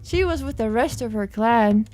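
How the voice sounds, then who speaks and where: Woman reading as a prim high-voiced young gentlewoman. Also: animated, soft background music, natural voice. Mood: earnest storytelling. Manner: formal, measured, storytelling. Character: prim, long-suffering young gentlewoman recounting her ordeal.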